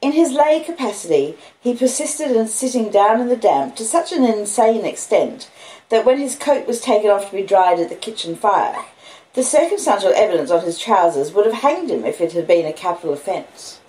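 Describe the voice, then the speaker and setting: A woman's voice: mid-range voice, lively intonation, moderate pace, a little mellow. An Australian woman reading aloud and chatting to listeners as a streaming storyteller. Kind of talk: expressive audiobook-style reading of a classic novel with casual chat. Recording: roomy echo, clear background noise or hiss.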